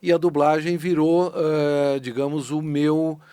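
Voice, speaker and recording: A middle-aged man with a Brazilian Portuguese accent, a voice actor being interviewed in a studio, speaking thoughtfully and with lively emphasis. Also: a little high, measured pace, clear, resonant tone, no room sound. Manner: thoughtful, animated, with frequent restarts and rising emphasis. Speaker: voice actor and dubbing director, guest. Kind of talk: casual conversational interview. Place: podcast studio.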